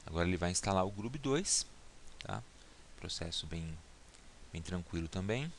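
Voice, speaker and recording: A man with a somewhat low voice narrates a computer tutorial at an easy pace. He talks the viewer through each click and keeps checking in, and a faint hiss and mouse clicks sit under his voice. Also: expressive, moderate pace. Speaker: instructor. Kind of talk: screen-recorded software tutorial.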